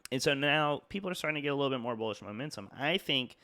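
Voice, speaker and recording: A man's voice: mid-range voice, lively intonation, quick pace, pushed and bright, dry recording, clean studio sound. A young man with a stuffy, congested nose from a cold, casually talking through stock charts with lots of fillers and restarts. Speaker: market analysis YouTuber. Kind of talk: casual trading chart talk.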